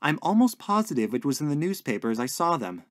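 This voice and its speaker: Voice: medium pitch, sing-song, fairly quick, no echo, clean studio sound, voice pushed up, lightly acted. A narrator voicing a polite, earnest young man in a story, hesitant and puzzled as he searches for his words. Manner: hesitant, searching, well-mannered.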